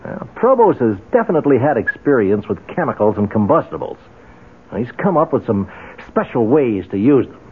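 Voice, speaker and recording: Confident wry detective, raspy voice, expressive pitch, 1970s radio play. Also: male voice, moderate pace. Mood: knowing, assured. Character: shrewd, confident, burn-scarred male investigator, dryly amused. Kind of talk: 1970s radio drama acting. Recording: muffled phone-like 1970s radio recording.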